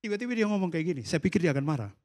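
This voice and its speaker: A man's voice: on the high side, lively intonation, very fast. A man with an Indonesian accent preaching a sermon, telling a personal story and slipping English phrases into his talk. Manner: storytelling, mixing in English phrases, acting out quoted dialogue softly. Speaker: pastor. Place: church service hall.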